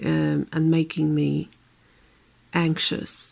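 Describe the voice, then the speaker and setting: With a non-native accent, a woman speaks at a very slow pace. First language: not English. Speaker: tarot reader. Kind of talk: casual vlog talk. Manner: halting, with many fillers.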